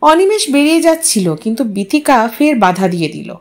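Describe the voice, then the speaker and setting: A woman's voice: high-pitched, sing-song, moderate pace. A woman storyteller giving a scripted, dramatic narration of a short story.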